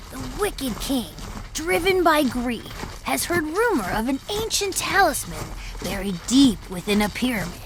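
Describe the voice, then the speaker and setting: A female-sounding, cartoonish character voice pitched high speaks at a moderate pace in a theatrical tone. Background noise is clearly present. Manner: eager, theatrical.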